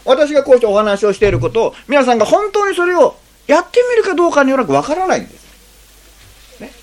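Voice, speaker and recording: Lively conversational preacher with a swooping voice. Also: mid-range voice. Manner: conversational, poses rhetorical questions to the congregation; acts out short spoken lines in changing tones. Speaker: pastor. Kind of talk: sermon.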